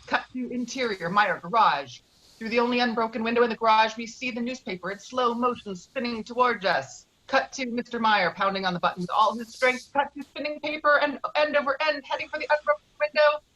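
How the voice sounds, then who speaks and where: A woman's voice: on the high side, fairly quick, a bit bright, muffled recording. A woman reading screenplay stage directions as the narrator of a table read.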